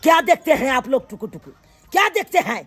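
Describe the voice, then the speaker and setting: A furious village husband with a Maithili accent, voiced by a woman, scolding loudly in a comedy skit. The voice sits very high. Faint music runs under the scene. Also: sing-song, a little fast. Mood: angry. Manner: loud, scolding, theatrical.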